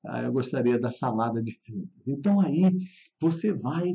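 Man, English teacher, live online lesson, friendly, careful model phrases, mid-pitched voice, dull lo-fi sound. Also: expressive, normal speed, creaky, dark tone. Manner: friendly, addresses viewers directly.

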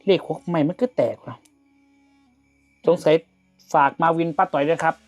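A man's voice: a little high, fairly even intonation, normal speed. Host, young Isan Thai man, chatty, addressing viewers and a spirit, faint music behind. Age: young adult. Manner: chatty, prayer-like invocations to a spirit. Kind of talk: casual chat.

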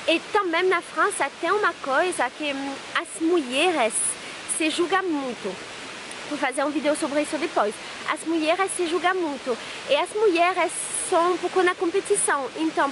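A young French woman vlogger talking casually to camera outdoors by a waterfall, animated and searching for words in her second language. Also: extremely high pitch, background noise. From France. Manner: animated, lots of hand gestures, searches for words. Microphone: camera close up at a table. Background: rushing waterfall.

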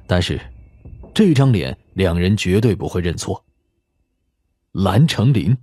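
Husky low-pitched man narrating a story. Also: very animated, a little slow, dark tone, no echo. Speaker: audiobook narrator.

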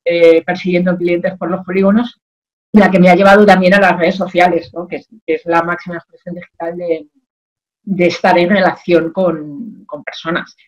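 Here is a woman, chatting as an interview guest. Her talk is animated and loose, full of fillers. She is on a webcam video call from a home office. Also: on the low side, normal speed, lo-fi sound. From Madrid, Spain. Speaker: guest, social selling expert. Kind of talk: casual interview chat.

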